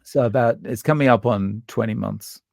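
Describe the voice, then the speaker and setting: A man with an Australian accent, a guest in a casual interview, talking in a halting, thoughtful way with frequent restarts and fillers. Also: medium pitch, creaky, darkish tone, no room sound, clean studio sound.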